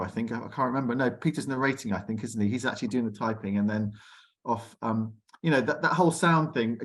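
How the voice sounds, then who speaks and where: A man informally hosting an online discussion, putting chatty, rambling questions to the others over a video call. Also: medium pitch. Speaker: discussion host. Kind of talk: informal online panel moderation.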